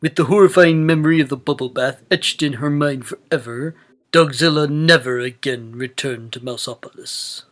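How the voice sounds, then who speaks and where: A man's voice: medium pitch, moderate pace, a bit bright. A man reading a children's storybook aloud as scripted narration. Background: music.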